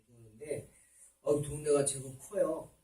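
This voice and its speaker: 교회에서 설교하는 남자 목사로, 겪은 일을 이야기처럼 풀며 등장인물의 말을 흉내 낸다. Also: male voice, a little high, steady tone, measured pace, dark tone, roomy sound, distant mic, poor audio. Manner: storytelling, acts out quoted people. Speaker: pastor. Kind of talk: sermon. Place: church sanctuary.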